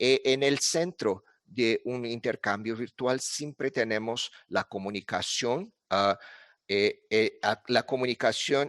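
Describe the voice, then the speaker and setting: A man talks at a very slow pace with a non-native accent. The sound is dry and close with no echo. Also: quiet background. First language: not Spanish (speaking Spanish). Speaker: university international affairs speaker. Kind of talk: conference talk. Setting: virtual conference. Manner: halting, many fillers.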